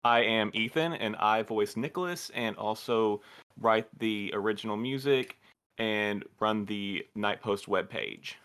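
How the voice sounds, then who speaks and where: A man's voice: on the low side, a little slow, a bit bright, clear, resonant tone. A man chatting casually as a cast member on a podcast panel.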